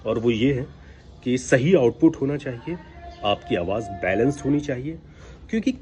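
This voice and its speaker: With a slightly high, darkish voice, a man coaches voice-over in an informal instructional talk, emphatic and scolding and full of rhetorical questions. No external mic is attached; the device's built-in microphone captures background noise, including ambient noise from outside.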